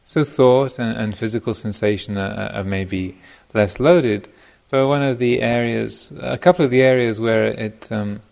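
A man with a fairly low voice full of heavy creak gives an informal talk as a meditation teacher. He is thoughtful and hesitant, often pausing in mid-phrase as he works toward his wording. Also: a little mellow. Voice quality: gravelly, creaky voice. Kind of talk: informal dharma talk to a retreat group. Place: meditation retreat center.

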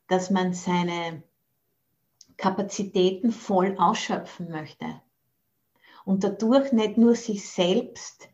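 A woman's voice: lowish voice, darkish tone. Reflective woman over muffled audio. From Austria. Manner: thoughtful, searching for words, mixes in English phrases. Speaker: Buddhist nun teacher. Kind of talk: dharma talk. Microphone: video call.

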